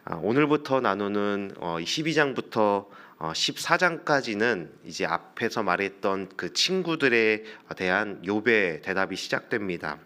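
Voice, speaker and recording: A male pastor giving a morning prayer sermon, explaining scripture in a measured, conversational way with frequent filler sounds. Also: lowish voice, animated, pushed and bright.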